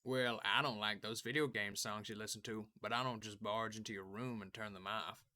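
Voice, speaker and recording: Middle-aged father male actor, argumentative and matter-of-fact, low and forceful, audiobook drama. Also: fairly even intonation, a little fast. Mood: firm. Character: Dad, opinionated middle-aged father who enjoys arguing.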